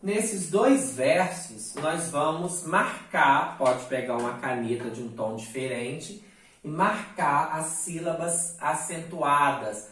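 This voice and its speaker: A male teacher from Brazil giving a recorded video lesson, dictating slowly and stressing syllables one by one. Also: a little high, a bit bright. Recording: echoey room, mic at a distance.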